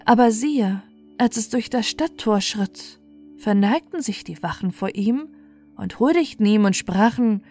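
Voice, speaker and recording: A woman's voice: medium pitch, expressive, unhurried, dark tone. A woman storyteller narrating a bedtime fairy tale. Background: faint music.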